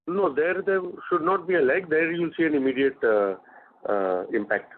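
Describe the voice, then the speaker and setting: A man with an Indian accent answering investor questions as a company executive on an earnings call, in measured, slightly hesitant phrasing. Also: a little high. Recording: narrowband phone conference line.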